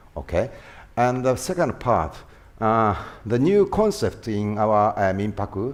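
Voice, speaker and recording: In a Japanese accent, a man talks at a moderate pace with a medium pitch. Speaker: museum researcher, professor. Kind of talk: lecture. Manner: halting.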